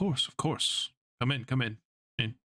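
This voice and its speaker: At a moderate pace, a man with a medium-pitched voice performs a put-on character voice. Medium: actual play. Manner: polite, gentle.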